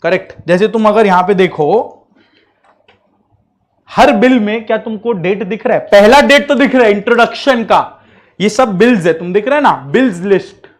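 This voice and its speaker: A man teaching a law class, mixing in English terms and often checking that the class follows. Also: high voice. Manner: mixes English terms into speech. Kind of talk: classroom lecture.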